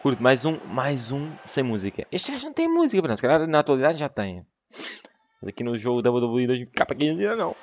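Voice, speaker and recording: A young man with a European Portuguese accent doing excitable let's play commentary, breaking into loud exclamations. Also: medium pitch, a little fast, dull audio, a little hiss or hum. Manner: excitable, bursts into exclamations and laughter. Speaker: gaming YouTuber.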